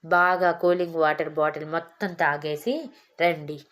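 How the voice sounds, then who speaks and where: Good-humoured old grandfather from an audio story, read by a woman; low, level voice. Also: level tone, moderate pace, a bit bright. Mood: amused. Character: amused elderly grandfather.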